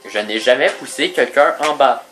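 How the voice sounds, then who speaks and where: A man voicing a little boy character in a very high, squeaky voice. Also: normal speed, sharp tone, faint music behind, close to an everyday voice. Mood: confused. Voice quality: very high, thin, far-off squeak.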